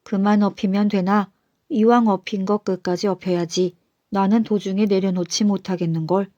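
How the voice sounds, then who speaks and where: A woman voicing a humble old male minister in a storybook folktale, calm and plain-spoken, stern when he scolds. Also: mid-range voice, normal speed, no echo, muffled recording, close to an everyday voice.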